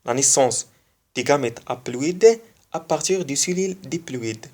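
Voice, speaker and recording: Non-native french speaker explaining biology, says the key bits twice, steady middle pitch. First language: not French. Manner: repeats key phrases slowly for emphasis. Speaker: biology video teacher. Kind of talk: explanatory online lesson.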